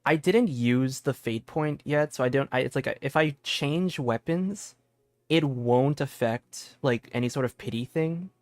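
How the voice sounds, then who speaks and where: A young man doing casual live game commentary as a streamer, excitable and rambling, often repeating himself. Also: mid-range voice, unhurried, no room sound. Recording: dry close sound with game music.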